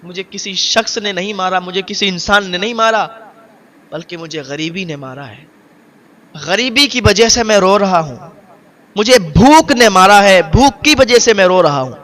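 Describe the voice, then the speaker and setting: A man's voice: high-pitched, lively intonation, fairly bright tone. Man voicing a heartbroken poor father. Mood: sorrowful. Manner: tearful pleading, repeating lines in lists.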